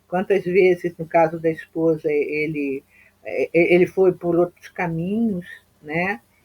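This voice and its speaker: Very slowly, a woman speaks at a fairly low pitch with fairly even intonation. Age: 60s. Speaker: spiritist study group leader. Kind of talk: religious book study with commentary. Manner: halting, many fillers.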